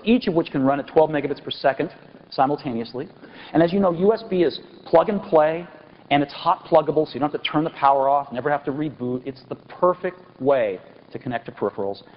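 A man in his forties giving an enthusiastic product launch keynote on a large auditorium stage, pausing for effect and stressing key words. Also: fairly high pitch. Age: 40s. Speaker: company executive presenting a product keynote. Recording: dull lo-fi 1999 event recording with faint hiss.

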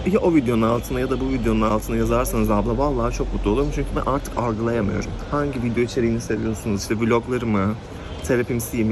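A young man chatting casually to the camera in an office for his vlog, laughing often. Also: mid-range voice. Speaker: vlogger. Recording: noisy background.

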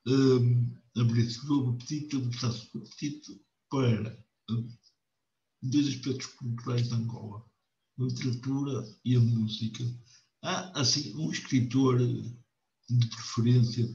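A middle-aged man hosting a relaxed interview from his home office, talking animatedly close to his webcam. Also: mid-range voice, slow. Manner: animated, leans close to the camera. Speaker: interview host. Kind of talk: casual interview chat. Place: home office with wooden door. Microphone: webcam on a video call. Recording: roomy, dull video call audio.

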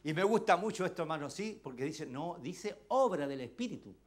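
Chilean-accented male preacher, high-pitched, impassioned sermon that swings between shouting and near-whispers. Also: animated, a little fast. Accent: Chilean Spanish. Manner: calls out to the congregation with rhetorical questions. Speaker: pastor.

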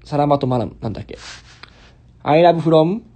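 A man's voice: fairly high pitch, moderate pace, dark tone. A man in his twenties, a Japanese speaker with a Kansai accent, chatting casually on a livestream as he reads out comments and slips in simple English phrases. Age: 20s. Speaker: stage actor hosting a livestream. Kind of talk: casual livestream chat, reading out viewer comments. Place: small indoor bedroom or hotel room. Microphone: phone held close while lying on a bed.

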